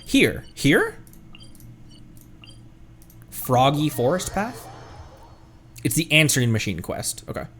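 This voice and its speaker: Rambling male game streamer with animated pitch. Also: takes it slowly, long pauses, slight background noise. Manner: rambling, thinking aloud. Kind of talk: casual livestream chat while gaming.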